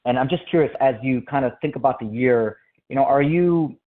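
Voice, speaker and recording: A man with a medium-pitched voice asks questions as an analyst, talking conversationally. He is heard over a band-limited phone line. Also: brisk. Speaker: financial analyst asking questions. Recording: phone-like conference call line.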